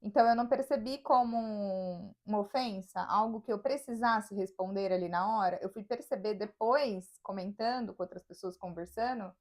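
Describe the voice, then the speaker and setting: A woman's voice: mid-range voice, moderate pace, hardly any pauses. A Brazilian woman with a Brazilian Portuguese accent, co-hosting a casual podcast conversation and telling personal stories. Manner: storytelling, acts out quoted voices. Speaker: podcast co-host.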